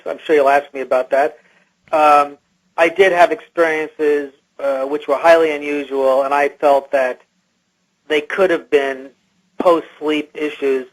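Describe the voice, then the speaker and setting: A man's voice: fairly high pitch, poor audio. Man with an electronically altered voice. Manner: hesitant, many fillers and restarts. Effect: electronically altered voice disguise. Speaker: interview guest, scientist. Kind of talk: radio interview answers.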